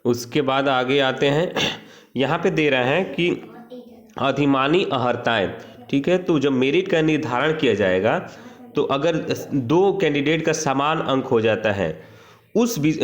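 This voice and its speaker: A man giving an informal instructional walkthrough as a coaching teacher, reading out details and commenting, with frequent check-in tags. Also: mid-range voice. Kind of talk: informal explainer of a job notice, reading and commenting.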